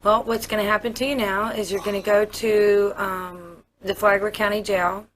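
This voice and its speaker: A woman's voice: mid-range voice, flat delivery, moderate pace. An American woman, a police officer, explaining procedure to a suspect in a matter-of-fact interview manner. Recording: noisy interview room audio.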